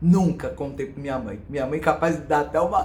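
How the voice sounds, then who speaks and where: A woman's voice comes with audible room echo. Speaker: YouTuber. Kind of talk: personal testimony to camera. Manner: emotional, conversational.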